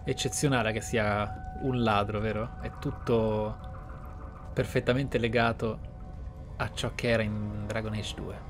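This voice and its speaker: A man giving let's play commentary, explanatory and reflective, often hushed. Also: fairly low pitch, steady tone, a little slow, music in the background. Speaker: gaming streamer.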